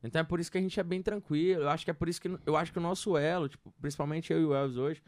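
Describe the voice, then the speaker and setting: Fast-talking Brazilian man from Tocantins. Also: fairly high pitch, steady tone, no echo. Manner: earnest, rambling, heavy fillers. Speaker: songwriter guest. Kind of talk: casual interview storytelling.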